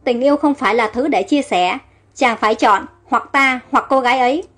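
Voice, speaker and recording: Give me a woman doing a despairing young queen in a storybook, tearful and high. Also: moderate pace, a bit bright, faint music behind. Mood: heartbroken. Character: heartbroken young woman, queen of ancient Egypt.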